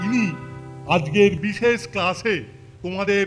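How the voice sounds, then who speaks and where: A man voicing a fussy school superintendent in a comedy cartoon, halting and repeating himself over music. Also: sits high, steady tone. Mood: officious. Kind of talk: Bengali comedy cartoon dub.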